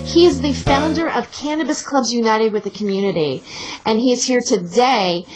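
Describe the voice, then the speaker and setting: A woman's voice: on the high side, normal speed, over music, rough recording. A woman hosting a casual radio talk show, interviewing guests and stumbling over words at times.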